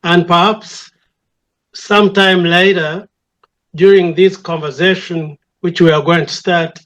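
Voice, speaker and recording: Slow, higher-voiced older Ugandan man. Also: steady tone, a bit bright. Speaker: church elder and care pastor, interview guest. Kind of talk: reflective conversation.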